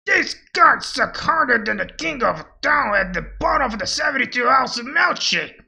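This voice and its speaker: A man's voice: very high voice, animated, normal speed, vocal fry, sharp tone, exaggerated voice. A man voicing a cocky, boastful masked male wrestler in a brash put-on voice for a fan voice demo. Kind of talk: fan voice demo of game quotes.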